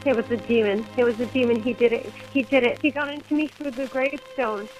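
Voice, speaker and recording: A woman's voice: a little high, fairly even intonation, brisk, soft background music, pitched above the performer's own voice, lightly acted, poor audio. A woman voicing a frightened, possessed little girl who pleads and repeats herself in a horror audio drama. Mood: desperate.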